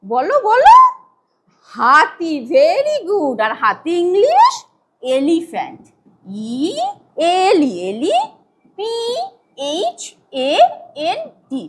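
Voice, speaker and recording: এক মহিলা শিক্ষক ছোট বাচ্চাদের ডেমো ক্লাস নিচ্ছেন, সুর করে উৎসাহ দিয়ে প্রশ্ন করছেন আর ইংরেজি শব্দের বানান অক্ষর ধরে ধরে বলছেন।. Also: female voice, very high voice, huge pitch swings, very slow, long pauses, a little hiss or hum. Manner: singsong, coaxing, spells words letter by letter. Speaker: teacher giving a demo class. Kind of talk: demo lesson to young children.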